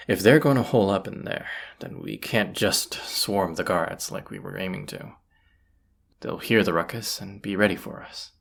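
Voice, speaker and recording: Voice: deep voice, very animated, moderate pace, vocal fry, breathy edge, heavily acted. A performer playing a roguish bandit leader in a fantasy audio roleplay, grumbling yet confident, with folksy, sardonic muttering to the listener. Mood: tense, sardonic.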